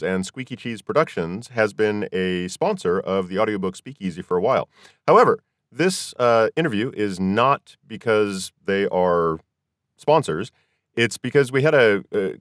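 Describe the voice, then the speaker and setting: A man's voice: fairly low pitch, no echo, studio quality. A man hosting a podcast, chatting casually as he interviews guests. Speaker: podcast host.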